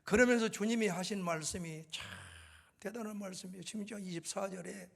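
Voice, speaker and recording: An older man preaching a sermon in a church, telling stories and rising to loud, emphatic climaxes. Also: sits high, fairly quick, vocal fry, breathy edge. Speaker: guest preacher, university president. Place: church sanctuary.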